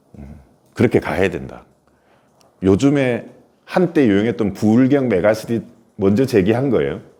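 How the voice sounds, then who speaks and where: A man with a fairly low pitch, dark, mellow tone and vocal fry speaks at a moderate pace. Long, frequent pauses break up his speech, which has very wide pitch swings and big swings in loudness. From South Korea, Busan. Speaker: politician and former business executive. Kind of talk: lecture.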